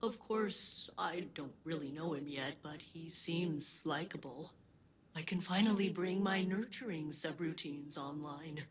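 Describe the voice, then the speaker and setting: A woman voicing a chipper, literal-minded female ship AI in a video game, with prim, precise phrasing and deadpan asides. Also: deep voice, measured pace, a crowd in the background. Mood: cheerful deadpan. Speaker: game character.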